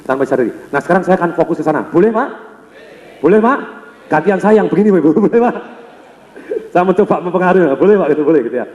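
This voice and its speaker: Man, Indonesian accent, sales trainer, seminar lecture, high voice, echoey hall. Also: rapid-fire, lo-fi sound. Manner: energetic, calls on the audience for responses; acts out customer dialogues. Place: large hall with a live audience.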